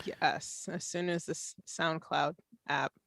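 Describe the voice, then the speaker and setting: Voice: medium pitch, fairly even intonation, slow, gravelly, fairly bright tone. A person co-judging music on a stream, chatting casually and thinking aloud in a conversational way. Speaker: co-judge of music challenge entries. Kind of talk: casual chat and commentary.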